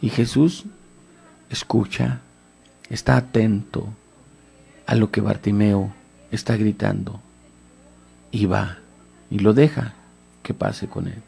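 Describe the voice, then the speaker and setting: A man's voice: fairly low pitch, steady tone, takes it slowly, vocal fry, pauses often, breathy edge. A man preaching a radio sermon, retelling a scripture story with mounting fervor. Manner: retells scripture dramatically, rising to shouts of pleading.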